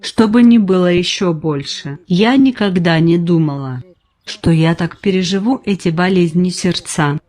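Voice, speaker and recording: Older woman in her nineties, patient interviewee, unhurried, plain short sentences. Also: lowish voice, darkish tone. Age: 90s. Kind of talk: slow personal testimony.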